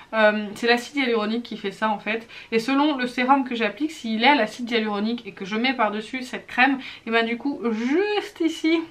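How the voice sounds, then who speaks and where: The French woman in her thirties reviews beauty products casually, her voice high-leaning and fairly bright. Chatty and self-teasing, she speaks up loudly and keeps restarting amid plenty of fillers.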